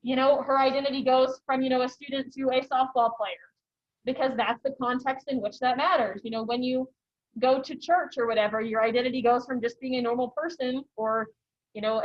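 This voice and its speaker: A high-pitched woman in her thirties teaching a college class in a loose, chatty way, filling her sentences with "you know" and "um". The recording sounds dull and lo-fi. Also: steady tone, brisk. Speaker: college instructor. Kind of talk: casual classroom lecture.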